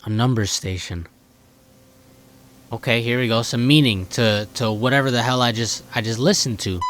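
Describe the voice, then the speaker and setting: A man's voice: mid-range voice, moderate pace, fairly bright tone. A man giving casual, slangy reaction commentary as a video host, sounding incredulous and partly reading text aloud. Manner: slangy, incredulous, often addressing viewer as bro.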